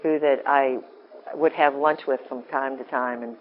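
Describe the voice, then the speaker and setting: Deep-voiced woman giving a rambling talk. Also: steady tone, measured pace, highs cut off. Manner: rambling, self-interrupting, earnest. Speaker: women's ministry speaker. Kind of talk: informal sermon talk.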